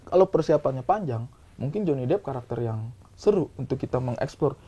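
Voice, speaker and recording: A man talking as a film director, explaining his views with examples in a casual, animated way. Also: mid-range voice, brisk, husky. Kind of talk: casual discussion.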